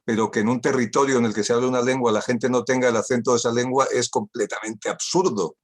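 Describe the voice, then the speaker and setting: An older Spanish man whose first language is Catalan gives an online guest talk over a video call, talking fast in a steady, mid-range voice. He is ironic and witty, repeating key phrases for emphasis.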